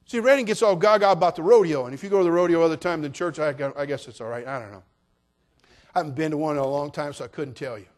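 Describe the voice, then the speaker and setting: High-voiced man preaching, folksy and fiery. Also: quick pace. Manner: folksy and joking, rising to shouted preaching. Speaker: pastor. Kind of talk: sermon.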